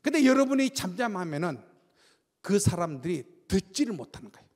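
An older man giving a lively sermon testimony in a church, telling stories with shouts and sound effects. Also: high-pitched, brisk. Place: church sanctuary. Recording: long church-hall reverb.

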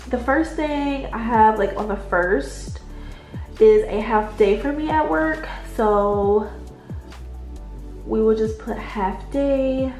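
A woman's voice: a little high, slow, a little mellow, reverberant, soft background music. A woman with a stuffy, congested voice chatting casually to her viewers as she fills in a budget planner, calling them y'all. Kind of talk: casual chat while writing in a planner. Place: indoors at a desk at home, late at night.

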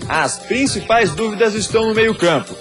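Male sports reporter, high voice, voice-over with clear music underneath. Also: moderate pace. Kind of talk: scripted news narration.

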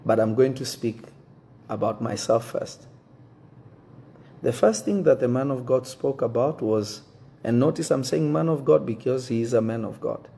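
A pastor in his thirties, a native French speaker, talks to camera in a dark, mellow voice with a slightly husky grain. He is earnest and measured and often restarts mid-sentence to pick his words. He is recorded close up on a phone in an indoor room. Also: mid-range voice. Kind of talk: direct-to-camera address to his congregation. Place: indoor room with wooden shelves.

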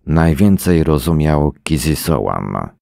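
Deep gravelly male storyteller. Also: big pitch swings, dark tone, no room sound, clean studio sound. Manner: measured, dramatic storytelling. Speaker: reader. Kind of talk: scripted narration of a short story.

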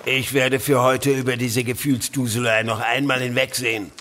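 A man's voice: medium pitch, little pitch movement, moderate pace, a bit bright, slight background noise, lightly acted. A man playing a cold-hearted, pious, middle-aged uncle and guardian in an audio drama, commanding and pompous. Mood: stern, pompous. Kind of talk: German audio drama acting.

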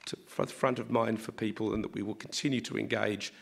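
A middle-aged man, a university leader, gives a formal welcome speech at a lectern in a large auditorium, his voice slightly croaky and his delivery halting with many ums and uhs. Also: fairly low pitch, fairly even intonation. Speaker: university vice-chancellor. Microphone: lectern microphone.

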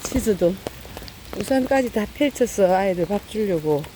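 A middle-aged woman chats casually while feeding stray cats outdoors, her voice sitting in the middle range. She breaks into fond, coaxing calls to the animals between fillers and pauses. A light patter of rain sits behind her. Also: mid-range voice, lively intonation, warm tone, a little hiss or hum, rough recording. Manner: talks fondly to cats in a raised coaxing voice, lots of fillers. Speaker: cat-feeding vlogger. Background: rain falling.

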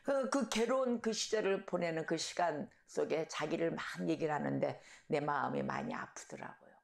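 Gravelly woman preaching in an echoey church. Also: deep voice, moderate pace. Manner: storytelling, animated, acts out shouted quotes. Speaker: pastor. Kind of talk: sermon. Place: church sanctuary.

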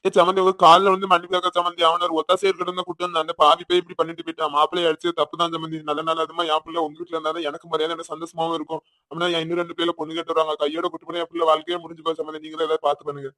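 A bright, fairly high cartoon voice of a humble village father, apologetic and pleading with a Tirunelveli Tamil accent. He speaks very quickly in a dry, close sound. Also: monotone, no room sound. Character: humble older village father begging forgiveness.

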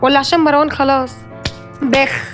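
An actress playing a sharp-tongued young woman who taunts her relatives sarcastically with an Egyptian accent. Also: high voice, flat delivery, brisk, natural voice. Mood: taunting. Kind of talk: TV drama acting. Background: music.

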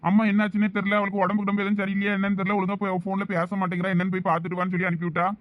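Man for a protective, lecturing young villager, Thoothukudi Tamil, very fast talker. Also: sits high, monotone, dry recording, narrow, tinny audio, lightly acted. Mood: concerned. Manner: brisk, teasing, lecturing.

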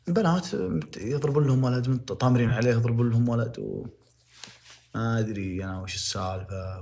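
A man's voice: deep voice, a little mellow. A young man with a Saudi accent giving impassioned, moralizing livestream commentary, repeating phrases to press his point. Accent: Saudi Arabic.

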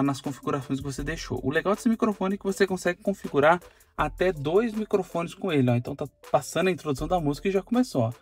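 Brazilian male car vlogger, talky explainer, raised pitch, soft music under him. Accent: Brazilian Portuguese. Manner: chatty, explanatory, frequent "olha" and "tá?". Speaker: car channel host. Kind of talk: casual tutorial demo. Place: inside a parked car.

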